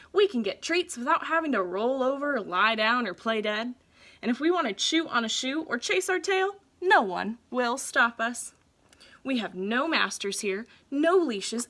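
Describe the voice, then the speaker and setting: A confident boss dog from a children's storybook, put on by a woman reader. He is easygoing and sure of himself, explaining his world emphatically in a bright, raised voice. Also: high voice, exaggerated voice.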